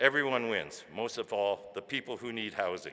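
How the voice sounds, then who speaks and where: Here a man speaks at a moderate pace. His tone is bright and sharp, with ordinary pitch variation. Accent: Ontario. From Niagara Falls, Ontario, Canada. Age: 70s. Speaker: regional chair, politician. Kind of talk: keynote speech. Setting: stage with audience. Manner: formal, from notes with ad-libs.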